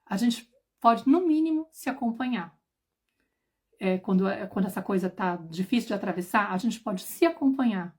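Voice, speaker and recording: A woman's voice: mid-range voice, lively intonation, normal speed, husky. A woman in her thirties or forties, a parenting mentor hosting a livestream, telling stories chattily with many asides. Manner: chatty storytelling, many asides and tag questions. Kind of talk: casual livestream talk.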